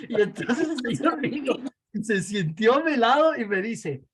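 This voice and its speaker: A man's voice: extremely high pitch, sing-song, takes it slowly, breathy edge. A middle-aged man with a Costa Rican accent, teaching theology in a conversational lecture full of fillers and tag questions. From Costa Rica. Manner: conversational, frequent fillers and "¿verdad?" tags. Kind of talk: lecture with personal anecdote.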